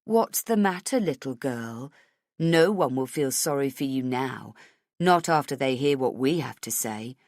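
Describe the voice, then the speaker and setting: A woman voicing a menacing older male police chief who taunts in a low, hushed voice. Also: lively intonation, a little slow, no echo, studio quality, heavily acted. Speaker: voice acted by audiobook narrator.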